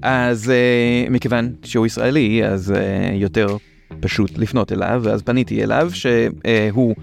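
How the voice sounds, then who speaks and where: A man's voice: on the low side, steady tone, vocal fry, faint music behind. A man with an Israeli accent explaining things in a conversational way as a show's host, with playful questions and asides. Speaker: host of a science explainer show.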